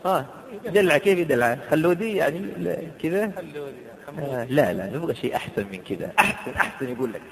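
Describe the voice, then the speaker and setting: A man giving a lively sermon full of anecdotes, slowing into a drawn-out chant when he quotes verses. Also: a little high, vocal fry, in a large hall, poor audio. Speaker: preacher.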